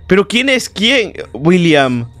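A man's voice: sits high, very animated, slow, fairly bright tone, no room sound. A man with a sore throat giving joking, chatty commentary while playing a horror game and talking to his viewers. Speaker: gaming video host. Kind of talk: playthrough commentary.

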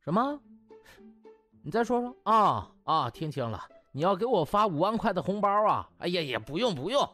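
A shameless young male doctor, acted by a man narrating in a comic audiobook. He is smug and playfully pompous, with a husky, very animated delivery. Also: high voice, moderate pace, soft background music, full character voice. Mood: feigned surprise, then mock modest.

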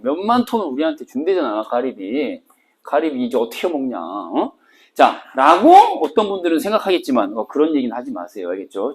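A man's voice: on the high side, husky. A middle-aged man teaching literature for an exam, joking and firing rhetorical questions at his students. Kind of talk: exam-prep lecture.

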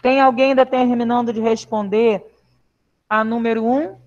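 Over lo-fi video call audio, a woman with a Brazilian Portuguese accent teaches kids in a live online lesson, her fairly high, slightly mellow voice moving at a moderate pace with fairly even intonation. As a primary school teacher, she stays patient and reassuring and asks gentle, coaxing questions.

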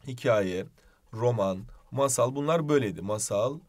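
A man's voice: medium pitch, expressive, normal speed. A man teaching a literature lesson online, explaining step by step and addressing students as friends while writing on the board.

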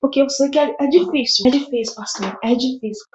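Tearful high-pitched Brazilian woman testifying. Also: a little fast, roomy sound, dull audio, a little hiss or hum. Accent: Brazilian Portuguese. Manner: fervent, tearful, repeats herself. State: crying. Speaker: testimony guest. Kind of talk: emotional religious testimony.

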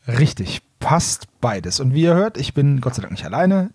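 A man hosts a podcast in a casual, conversational style. His mid-pitched voice has a husky edge, and the recording is close and dry. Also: very animated, normal speed, a little mellow, no echo. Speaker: podcast host.

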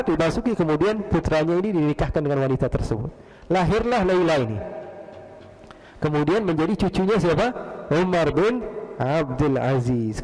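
A man's voice: fairly high pitch, a little mellow. A man preaching in a mosque, telling stories casually and answering his own questions. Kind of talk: storytelling religious lecture. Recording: long reverb of mosque hall.

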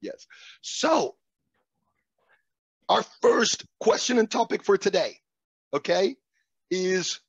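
Animated husky-voiced middle-aged man, Italian native. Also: sits high, dry recording. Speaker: host. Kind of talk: guided conversation on a video call. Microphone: webcam on a video call. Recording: dull lo-fi video call audio.

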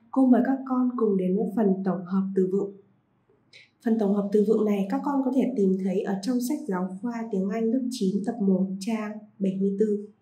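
A woman teaching a vocabulary lesson to pupils, repeating each English word slowly before explaining it. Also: medium pitch, mellow, echoey room, poor audio.

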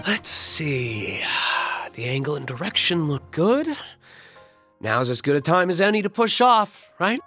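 An actor playing a reckless, thrill-seeking young man in a video game, emotional and sardonic, with a husky voice. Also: fairly high pitch, very animated, measured pace, bright, forceful tone, soft background music, full character voice. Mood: resigned, wistful. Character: reckless thrill-seeking young man, betrayed creation pleading with his father. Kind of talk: dramatic video game voice acting.

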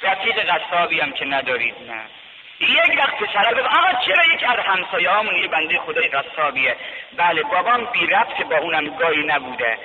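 Middle-aged man, impassioned sermon, bright voice, lively pitch, echoey mosque hall, dull archive sound. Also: slight background noise. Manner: dramatic, swings to loud cries and drawn-out calls. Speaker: preacher. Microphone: loudspeaker.

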